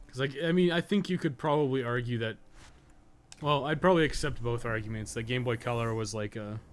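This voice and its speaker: A man's voice: mid-range voice, brisk. A man chatting casually on a live game stream, rambling and wry, with loose, profane phrasing. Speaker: live streamer, podcast co-host. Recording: game audio noise behind voice.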